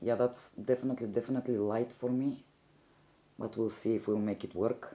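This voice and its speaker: With a Bulgarian accent, a woman talks at a fairly quick pace. Her very deep, low voice stays monotone and flat. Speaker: beauty vlogger. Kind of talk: makeup tutorial. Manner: casual, with fillers and hesitations.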